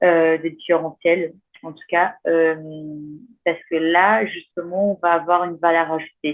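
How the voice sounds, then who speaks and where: With fairly low pitch and fairly even intonation, a woman speaks fairly slowly, her loudness swinging widely and her speech broken by long, frequent pauses. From southern Brazil. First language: Portuguese (speaking French). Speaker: language mentor and entrepreneur. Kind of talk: talk to an audience. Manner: halting, many fillers.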